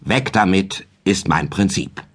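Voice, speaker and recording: A man voicing a grumpy, cold-hearted old man with a pipe in a storybook reading, speaking in a gruff, smug way. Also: sits low, takes it slowly, full character voice.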